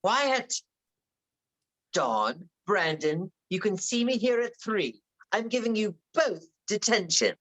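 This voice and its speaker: A woman's voice: mid-range voice, big pitch swings, slow pace, fairly bright tone, lo-fi sound, heavily acted. A woman playing a stern grammar teacher in a script read, curt and strict. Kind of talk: table read of a film script.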